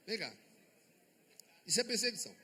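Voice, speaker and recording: A bishop with a Brazilian accent preaches a sermon to his congregation in a church sanctuary, firing rhetorical questions at them. His high voice is bright, forceful and slightly rough, with big pitch swings at a fairly quick pace. Long church reverb fills the recording.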